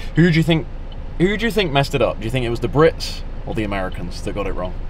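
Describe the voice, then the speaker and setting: Light background noise sits under a man speaking at a very fast pace, the sound dry with no echo. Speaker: travel vlogger. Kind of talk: casual vlog chat. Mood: playful, joking. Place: car.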